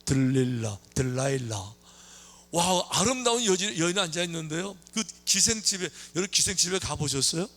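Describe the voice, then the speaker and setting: A man preaching a sermon as a pastor, telling stories in a lively way, acting out the characters' lines and tossing questions at the congregation. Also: on the high side, normal speed. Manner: lively storytelling, acting out quoted lines, chatty asides to the congregation. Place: church sanctuary.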